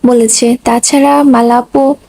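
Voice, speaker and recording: Brief: emotional young woman in love, pleading and sulky, high mellow voice, read by a woman. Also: little pitch movement, a little slow, creaky, no echo. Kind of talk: audiobook reading.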